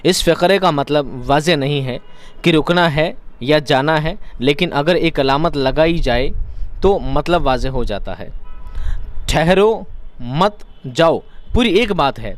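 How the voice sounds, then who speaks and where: A man teaching an exam-prep lesson, explaining each point by repeating it in other words and asking rhetorical questions. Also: a little high.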